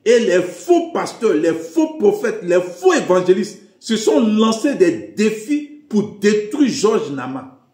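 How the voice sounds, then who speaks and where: Man, high lively voice, slow preaching, emphatic repetition, echoey room. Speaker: self-styled prophet. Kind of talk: preaching address.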